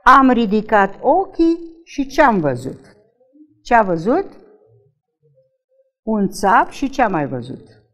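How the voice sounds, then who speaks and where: A woman teaches a Bible study lesson in a fairly high, animated voice that rises and falls widely. She reads the verses out slowly and emphatically, then stops to quiz her listeners with short questions. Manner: quizzes the group with frequent questions; slow, emphatic reading of scripture.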